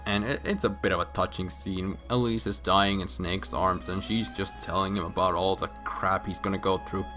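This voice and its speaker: A man's voice: low voice, fairly even intonation, normal speed. A man giving a drunk, rambling, profane comedic story recap with emphatic outbursts, in the casual way of a video game explainer. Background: background music.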